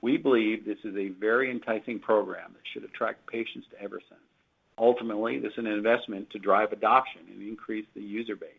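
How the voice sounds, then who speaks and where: A man, a company executive, reading prepared earnings call remarks in a steady, formal way with occasional slips, heard over dull lo-fi conference call audio. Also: on the low side, brisk, creaky, slightly rough.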